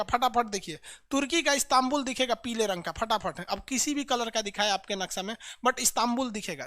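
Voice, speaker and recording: A man teaching an online map lesson, drilling students energetically with loud, rapid repetition. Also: very high voice, dry recording, clean studio sound.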